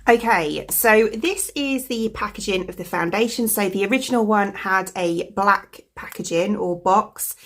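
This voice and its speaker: A woman with a croaky voice from a cold, chatting casually as a beauty vlogger, rambling with lots of fillers. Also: mid-range voice, unhurried, hardly any pauses, fairly bright tone. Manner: rambling, full of fillers like "like" and "you know". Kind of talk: chatty product review.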